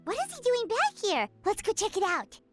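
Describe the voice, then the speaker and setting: A woman voicing a tiny, excitable girl companion in a video game, with a squeaky, bouncy voice. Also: moderate pace, faint music behind, exaggerated voice. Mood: excited.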